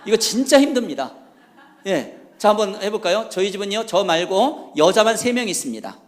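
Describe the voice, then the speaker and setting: Middle-aged guy, fairly high voice, lively church seminar talk, long echo in a big hall. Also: normal speed. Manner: animated, audience-rousing, acts out dialogue. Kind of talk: humorous seminar talk to a congregation.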